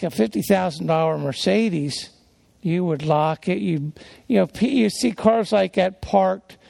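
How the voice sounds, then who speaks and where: Soft-spoken, very gravelly man preaching. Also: sits high, dry recording. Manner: soft-spoken, folksy and rambling. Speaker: pastor. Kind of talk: conversational sermon with personal stories.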